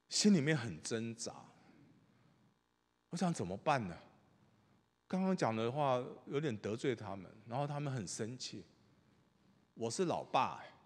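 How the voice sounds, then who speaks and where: A middle-aged man, a pastor, preaching a sermon with animated storytelling, swinging from loud bursts to hushed asides. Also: medium pitch. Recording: long reverb of a large hall.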